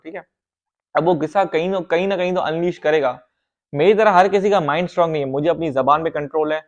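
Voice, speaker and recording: A man giving life advice in a casual, rambling monologue, mixing in English phrases and often turning heated. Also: mid-range voice. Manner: rambling, repeats "theek hai" often, mixes English phrases; heated, rises sharply when acting out bosses and husbands. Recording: dull lo-fi sound.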